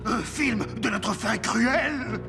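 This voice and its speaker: A man voicing a cowardly, boastful mole-like cartoon creature, with a creaky, squawky voice and pompous, melodramatic delivery. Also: very high-pitched, slow pace, music in the background, heavily acted. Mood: theatrical dread. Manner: melodramatic, pompous, speaks of himself by name. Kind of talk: animated cartoon dub acting.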